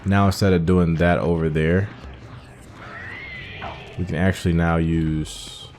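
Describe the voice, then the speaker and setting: Casting: male gaming host, low-pitched, casual and explanatory, thinking aloud, faint music underneath. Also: fairly even intonation, slow, a little mellow. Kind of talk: casual gameplay commentary. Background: game audio with faint music.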